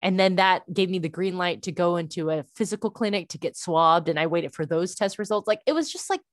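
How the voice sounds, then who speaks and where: A young adult woman, a parent, telling a frustrating story in casual chat, animated and full of "like" fillers. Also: fairly low pitch, brisk, no room sound, clean studio sound.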